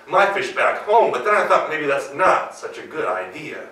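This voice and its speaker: A crafty folktale fox, played by a male storyteller, coaxing and hedging as he talks. The voice is high and bright, ringing in a very echoey room. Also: big pitch swings, normal speed. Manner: smooth-talking, hedging, persuasive. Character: sly, quick-thinking male fox trickster. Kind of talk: live folktale character voice. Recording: roomy live hall, distant mic.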